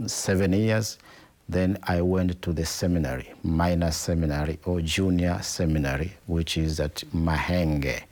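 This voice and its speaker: A middle-aged Catholic bishop from Tanzania, answering interview questions slowly and deliberately, often saying "in actual fact". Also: male voice, low-pitched, a little mellow. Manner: slow, deliberate, repeats phrases like "in actual fact".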